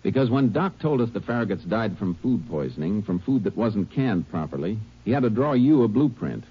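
A man playing a calm, shrewd Texas Ranger in a 1950s radio drama, laconic and persistent, on a muffled old radio recording. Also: on the low side, fairly quick, breathy edge. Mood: pressing, accusing. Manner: laconic, matter-of-fact.

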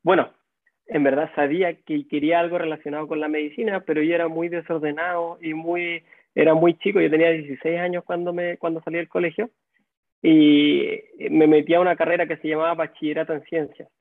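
A man's voice: fairly high pitch, flat delivery, a little fast, no room sound. A dentist from Chile with a Chilean accent, a man telling his story in a laid-back, chuckling way over a video call. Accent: Chilean Spanish. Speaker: dentist guest. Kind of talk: casual interview storytelling. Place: home or office in a high-rise, indoors. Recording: dry, tinny phone-like call audio.

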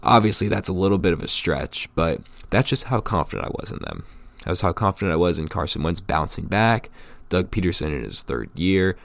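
A very deep, gravelly male voice, slightly raspy from a cold. He hosts a solo podcast in a casual, rambling way, with lots of ums and uhs. The sound is close and dry, with no room echo. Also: lively intonation, fairly quick. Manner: casual, rambling, filler-heavy fan opinions. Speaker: podcast host. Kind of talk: solo sports podcast talk.

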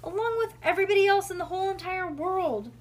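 A woman voicing a dramatic, whiny young girl who complains loudly in a storybook reading. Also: high voice, big pitch swings, very slow, voice pushed up, full character voice. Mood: grumpy pleading. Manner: yelling, hollering, grumpy complaining.

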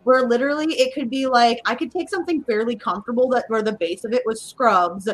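A woman's voice: fairly high pitch, quick pace, rough recording. A woman with a slight Ohio River Valley accent, rambling and amused in podcast chat.

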